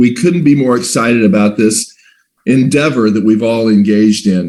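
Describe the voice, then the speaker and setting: A man with a dark, mellow tone speaks at a medium pitch, with ordinary pitch variation and very even loudness. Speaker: attorney and business leader. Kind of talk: business presentation. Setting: video call. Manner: fast.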